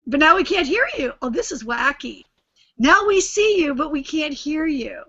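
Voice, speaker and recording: A woman's voice: high voice, big pitch swings, moderate pace, sharp tone, no echo. A woman hosting a live video call, chatting breezily while she talks a guest through tech trouble. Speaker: show host. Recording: dull lo-fi call audio.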